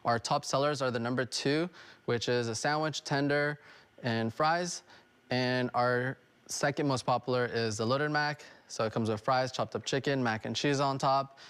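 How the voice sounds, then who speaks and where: A young adult man who owns a restaurant, interviewed on TV and speaking in a relaxed, friendly way with many fillers. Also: medium pitch, normal speed, clear, resonant tone. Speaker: restaurant owner guest. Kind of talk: casual interview.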